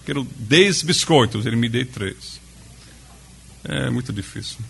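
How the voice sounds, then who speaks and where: A man with a foreign accent in Portuguese, teaching a Bible study to a group in a conversational way, with pauses and questions to the audience. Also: medium pitch, vocal fry, a bit bright, slightly rough. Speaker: pastor.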